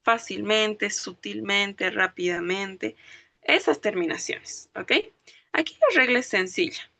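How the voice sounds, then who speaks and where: In a slow, creaky, bright and forceful mid-range voice with lively intonation and no echo, a woman gives an online language lecture. She spells words syllable by syllable, moves through the rules step by step, and asks frequent questions to confirm students understand.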